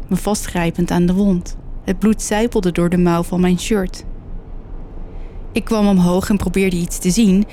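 Low, mellow female horror narrator. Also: slight background noise. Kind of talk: scripted horror story narration.

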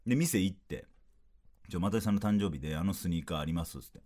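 A comedian in his thirties with a Kansai Japanese accent, hosting a podcast and telling funny stories alone, acting out bits of dialogue in quick bursts. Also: deep voice, warm tone. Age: 30s. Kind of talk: solo comedic storytelling.

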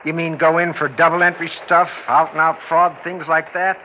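A male actor plays a sardonic, embittered man in an old drama. His voice sits a bit high and his delivery is dry. The recording is muffled, with clear background noise. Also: level tone, normal speed, natural voice. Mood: bitter. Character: bitter, sardonic man, crowded out in business. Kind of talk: old broadcast drama acting.

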